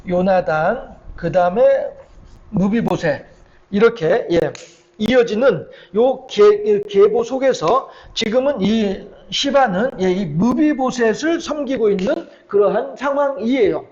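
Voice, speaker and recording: A man's voice: sits high, slow, darkish tone, highs cut off. A man preaching a midweek sermon, retelling Bible scenes and acting out their dialogue with many fillers. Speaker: pastor.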